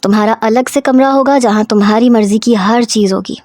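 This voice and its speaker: A woman voicing a kind young man who coaxes gently and reassures. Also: fairly high pitch, dry recording, studio quality, natural voice. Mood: reassuring. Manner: gentle, coaxing.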